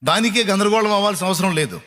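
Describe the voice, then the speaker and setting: A man's voice: high-pitched, fast talker, sharp tone. A man preaching a sermon to a congregation, emphatic and repetitive, firing rhetorical questions. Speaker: pastor.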